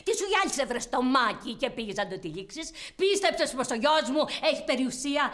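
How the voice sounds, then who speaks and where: An actress playing a domineering older mother who scolds and mocks with shrill insults. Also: big pitch swings, a bit bright. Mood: scornful. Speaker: mother-in-law. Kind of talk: television comedy acting.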